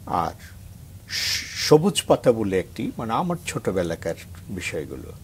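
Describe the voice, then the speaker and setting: Very animated yet unhurried, a fairly low-voiced middle-aged man from Bangladesh joins a TV morning show as a reciter guest. In the studio he speaks earnestly, then launches into a poem whose emphasis keeps swelling, with slight background noise present.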